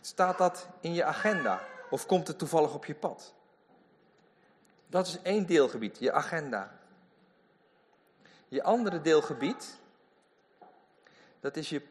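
A man preaching a lively sermon in a church, full of emphatic asides. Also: fairly high pitch, slow, pauses often, slight background noise. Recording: long hall reverb.

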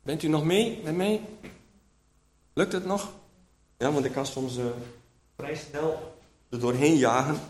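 Brief: male preacher, fairly high voice, relaxed Bible teaching, keeps asking if listeners follow. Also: a little slow, pauses often, slight background noise. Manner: chatty, keeps checking in with listeners.

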